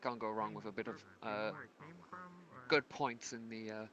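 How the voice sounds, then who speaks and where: A man in improvised in-character roleplay, musing aloud in a halting way, sounding a little distant. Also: on the low side, little pitch movement, highs cut off, a crowd in the background. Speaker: roleplay participant.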